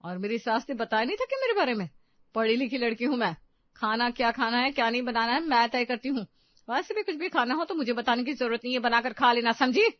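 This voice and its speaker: A woman voicing a sharp-tongued, bossy young wife in a cartoon story, talking in a scolding, snappy way. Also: fairly high pitch, animated, quick pace, no echo, close to an everyday voice. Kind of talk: cartoon voice acting. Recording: dull dry studio audio.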